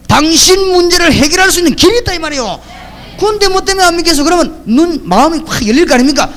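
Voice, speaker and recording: High-pitched pastor guy preaching, lively storyteller. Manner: lively storytelling, acting out the voices of the people he quotes. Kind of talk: sermon.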